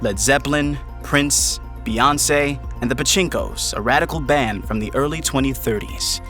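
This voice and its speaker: A man's voice: medium pitch, normal speed, a bit bright, soft background music. A man delivering scripted dramatic narration for an audio fiction story.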